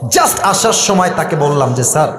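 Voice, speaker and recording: A man's voice: on the high side, expressive, moderate pace, a bit bright, slight background noise. A Bangladeshi man preaching through a dramatic personal anecdote, acting out the dialogue and dropping in English phrases. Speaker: Islamic preacher. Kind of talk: sermon-style anecdote telling. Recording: echoey hall with long reverb.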